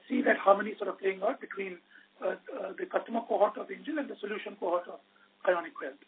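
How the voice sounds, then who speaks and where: High-pitched husky man on phone. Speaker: wealth business executive. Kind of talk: earnings call answer. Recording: phone line.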